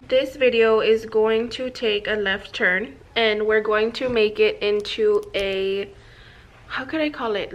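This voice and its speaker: A woman's voice: a little high, a bit bright. A woman in her thirties, a vlogger and makeup artist, chatting casually to the camera in a small office, rambling with lots of fillers and restarts. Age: 30s. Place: small office room indoors. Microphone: camera at desk, close framing.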